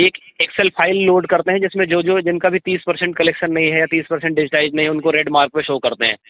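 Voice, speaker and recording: A man's voice: fairly high pitch, flat delivery, fast talker, no echo. A man on a recorded phone call, explaining work grievances in a matter-of-fact, explanatory way. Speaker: election field worker being interviewed. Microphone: phone line.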